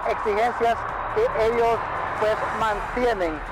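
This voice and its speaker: A man talks in a high pitch with a monotone, flat intonation. The sound is dry with no echo, and there is noticeable background noise. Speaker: field news reporter. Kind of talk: live news report. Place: street. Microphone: earbuds.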